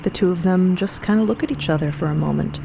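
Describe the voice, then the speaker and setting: Female narrator for scripted audio drama, fairly low register, clear ambient rumble underneath. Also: fast talker.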